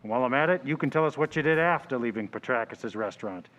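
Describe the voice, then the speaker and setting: A man playing a steady, no-nonsense police sergeant in an old-time radio drama, matter-of-fact and authoritative. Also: mid-range voice, quick pace, dull audio, lightly acted. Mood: firm.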